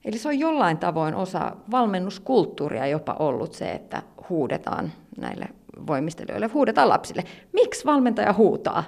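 A woman's voice: lowish voice, wildly swooping pitch, vocal fry, few pauses, darkish tone. A woman hosting an interview, asking questions and adding her own points in an engaged way. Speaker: podcast host.

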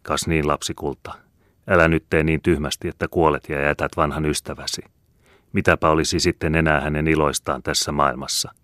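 A man reading the part of a kindly little old foreman in an audiobook who gently coaxes and scolds like a father. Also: extremely low pitch, flat delivery, dry recording, studio quality. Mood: tender coaxing.

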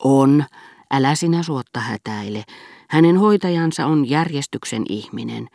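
A woman's voice: rumbling low, animated, creaky, a little mellow, dry recording, clean studio sound, exaggerated voice. A woman audiobook reader voicing a middle-aged father who soothes and hesitates. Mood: soothing.

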